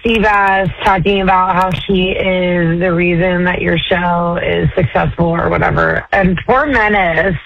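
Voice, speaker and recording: A woman with a low, raspy voice leaving a blunt, rambling, profane voicemail for a radio show. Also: no echo. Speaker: voicemail caller. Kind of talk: phoned-in voicemail rant. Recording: dull lo-fi voicemail audio.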